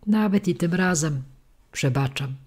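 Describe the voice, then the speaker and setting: A woman's voice: low voice, animated, measured pace, darkish tone, slightly rough, exaggerated voice. A woman voicing a fairy who forgives but warns sternly, in a storybook reading.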